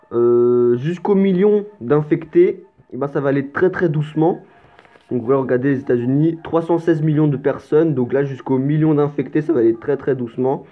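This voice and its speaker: A man commenting on his strategy game as a let's play host, explaining casually with stammers and the odd curse. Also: mid-range voice. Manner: chatty and explanatory, with stammers and mild swearing. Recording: tinny, phone-like lo-fi sound.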